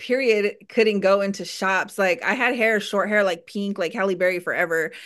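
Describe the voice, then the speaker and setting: In a normal speaking voice with an American accent, a woman speaks at a moderate pace and a medium pitch with hardly any pauses, over a quiet background. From California, Bay Area. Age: 40s. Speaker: barber and educator. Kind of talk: casual chat.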